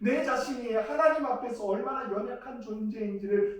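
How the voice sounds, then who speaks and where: Against noticeable background noise, a man with a high pitch speaks at a moderate pace. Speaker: pastor. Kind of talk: sermon. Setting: church.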